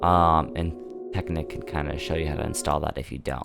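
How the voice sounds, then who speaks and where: A man speaks at a fairly quick pace in a very deep, low voice with vocal fry, on a very clean recording with a silent background. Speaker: gaming YouTuber. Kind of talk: tutorial. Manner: casual with filler words.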